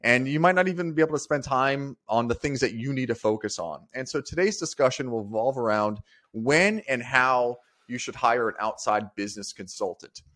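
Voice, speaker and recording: An upbeat man hosting a business podcast, easygoing and chatty. His voice sits at an ordinary middle pitch, and he drops in casual fillers as he goes. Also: moderate pace, fairly bright tone. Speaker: podcast co-host.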